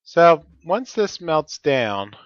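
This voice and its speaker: Stuffy guy slowly talking thru his game, clear voice, kinda dull lo-fi mic. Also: fairly high pitch, big pitch swings, dry recording. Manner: methodical, talks through each step. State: stuffy from a cold. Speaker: Let's Play host. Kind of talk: casual gameplay commentary.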